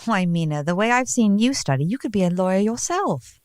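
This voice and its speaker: A woman's voice: mid-range voice, brisk, no echo, clean studio sound, lightly acted. A woman as bubbly, gushing young Lucy. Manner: gushing, chatty, excitable. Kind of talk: stage radio play acting.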